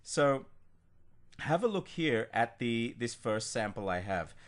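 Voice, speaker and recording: A man's voice: mid-range voice, big pitch swings, slow pace. A man coaching on pronunciation, walking through a screen recording in an informal way with frequent ums and restarts. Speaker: language coach. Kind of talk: screen-recorded teaching walkthrough.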